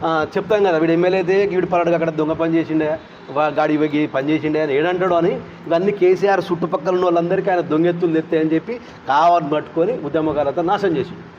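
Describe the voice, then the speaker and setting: A man's voice: on the high side, steady tone, very fast, darkish tone, dull audio, a little hiss or hum. A man, an activist rattling off rambling accusations in an interview. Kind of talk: heated complaint in interview.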